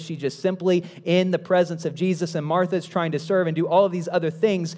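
Over music in the background, the voice runs at a very fast pace with monotone, flat intonation. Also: man. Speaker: pastor. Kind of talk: sermon. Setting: church.

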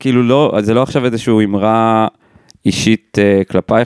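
A man's fairly low-pitched, ordinary speaking voice with fairly even intonation. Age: 40s. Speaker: chef and cooking teacher. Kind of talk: casual interview chat.

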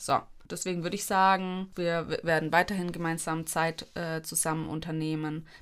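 A woman's fairly low, monotone, flat delivery at a moderate pace, on a very clean recording with a silent background. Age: 20s. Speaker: podcast host. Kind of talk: casual chat.

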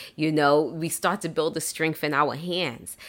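A woman's very deep, low voice in a calm, relaxed tone at a moderate pace, on a very clean recording with a silent background. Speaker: wellness podcast host. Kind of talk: casual monologue with guided breathing.

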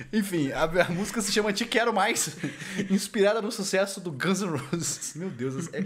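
Speaking at a moderate pace, this man varies his pitch in an ordinary way. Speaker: podcast co-host. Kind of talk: casual chat. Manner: animated.

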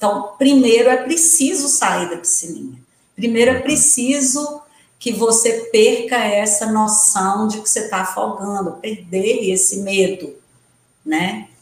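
Speaking with a normal speaking voice, a woman keeps a fairly slow pace at a fairly high pitch. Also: lively intonation. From Minas Gerais interior, Brazil. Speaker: psychologist. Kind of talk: interview conversation. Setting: online live stream.

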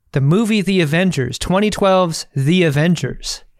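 A man with a high-pitched voice speaks at a moderate pace in a very clean recording with a silent background. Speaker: podcast co-host. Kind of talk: casual chat.

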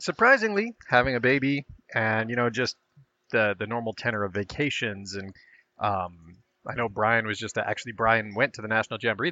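This man uses a normal speaking voice at medium pitch. He goes at a fairly quick pace with ordinary pitch variation. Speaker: podcast host and scout leader. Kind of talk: spoken introduction.

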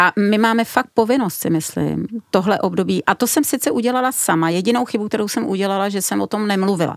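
A woman's medium-pitched voice at a very fast pace, with hardly any pauses. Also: ordinary pitch variation. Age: 60s. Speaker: coach and social skills trainer. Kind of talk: casual chat. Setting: studio.

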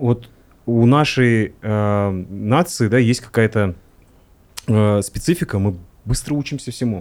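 A man's very slow speech, broken by long, frequent pauses. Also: medium pitch for a man, ordinary pitch variation. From Kazakhstan, Karaganda. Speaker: actor and filmmaker. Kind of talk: casual chat.

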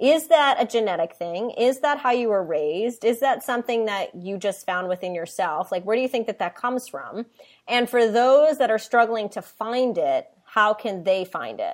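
A woman with a normal speaking voice and fairly high pitch talks at a moderate pace with hardly any pauses, on a very clean recording with a silent background. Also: lively intonation. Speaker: podcast host. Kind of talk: casual interview.

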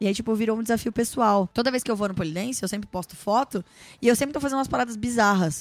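Talking at a very fast pace, a woman uses a fairly high pitch. Her pitch varies in an ordinary way. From Santa Catarina, Brazil (Itajaí). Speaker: podcast co-host. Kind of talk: casual chat. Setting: studio.

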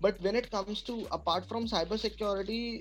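A man is speaking here. His pace is moderate. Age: young. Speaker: cybersecurity researcher and entrepreneur. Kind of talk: casual interview. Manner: hesitant with fillers.

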